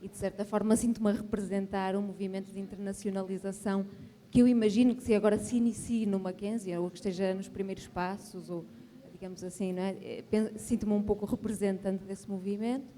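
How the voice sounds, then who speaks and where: A woman from Portugal speaks with a clear European Portuguese accent, her tone warm and mellow. She talks formally and thoughtfully, often ending points with a tag question, as a professor speaking up at a panel Q&A. Faint noise sits under her voice. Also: medium pitch, steady tone, brisk. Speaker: graduate professor asking a question. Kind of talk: audience remarks at a panel Q&A.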